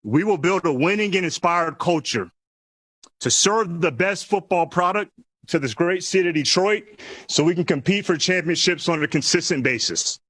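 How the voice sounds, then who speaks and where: A man in his forties giving a measured, emphatic press conference speech as a new general manager, stressing key words. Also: sits high, fairly bright tone, dry recording.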